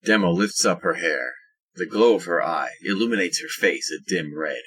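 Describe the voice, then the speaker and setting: Deep, husky male narrator. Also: normal speed, fairly bright tone. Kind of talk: scripted audio drama narration.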